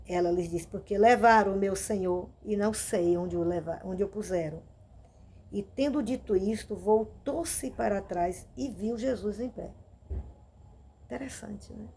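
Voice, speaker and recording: A woman's voice: medium pitch, warm tone, slight background noise. Brazilian woman pastor preaching emphatically. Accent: Brazilian Portuguese. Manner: emphatic preaching, repeating questions. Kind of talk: sermon.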